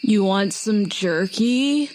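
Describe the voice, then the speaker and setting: A woman's voice: mid-range voice, lively intonation, slow pace, a little mellow, a little hiss or hum, rough recording. A woman with a laid-back, drawling manner chatting casually as a player in a tabletop game, faint night sounds behind. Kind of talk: casual chat.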